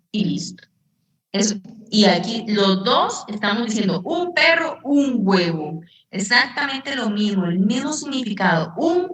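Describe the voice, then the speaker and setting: A woman with a medium-pitched, somewhat bright voice teaches an English lesson, patiently repeating points and quizzing her students. The recording comes from a distant mic in a room full of echo.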